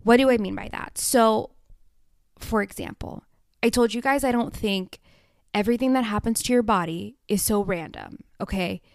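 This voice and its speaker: A young woman hosting her own podcast, talking frankly and oversharing, swearing freely and mimicking herself in high, silly voices. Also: normal speed, creaky, dry recording, clean studio sound. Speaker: podcast host. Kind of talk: candid solo podcast monologue.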